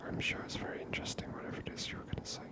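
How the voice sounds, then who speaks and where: A woman whispering breathily close to the mic as she hosts an ASMR game playthrough, soft and musing. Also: rapid-fire. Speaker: gaming host.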